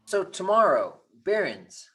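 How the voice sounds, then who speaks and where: Woman as an earnest, slow-spoken, husky stuttering boy. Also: medium pitch, big pitch swings, fairly bright tone, full character voice. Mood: earnest, hopeful. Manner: halting stutter on hard words. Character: earnest stuttering boy grieving his missing brother. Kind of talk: table read acting.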